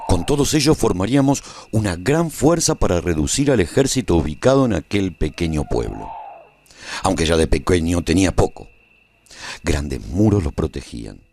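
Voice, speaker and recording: A man playing a post-apocalyptic traveller who narrates a scripted radio drama in a measured, solemn way. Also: low-pitched, a little mellow, slight background noise. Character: male post-apocalyptic traveller recounting a war story gravely.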